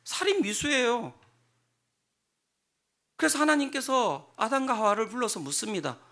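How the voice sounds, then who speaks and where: A man preaching a revival sermon as pastor, acting out biblical speakers in dramatic voices and rising to loud emphasis. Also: very high-pitched, animated, normal speed, gravelly. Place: church sanctuary.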